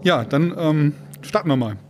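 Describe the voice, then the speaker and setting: A man's voice: on the high side, lively intonation, moderate pace, soft background music. A man hosting a podcast in a casual, informal and teasing manner. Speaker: podcast host.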